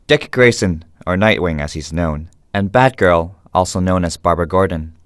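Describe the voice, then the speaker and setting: A man giving solemn, measured scripted narration for an audio drama. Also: low voice, dry recording, clean studio sound, close to an everyday voice. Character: solemn male radio serial narrator.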